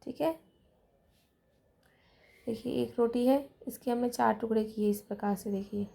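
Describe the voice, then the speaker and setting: A woman teacher with a Rajasthani Hindi accent walks children through a math lesson. Her voice sits a little high, with a gravelly fry and a mellow, dark tone. She is patient, counts out loud and checks in often. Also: fairly even intonation, a little slow.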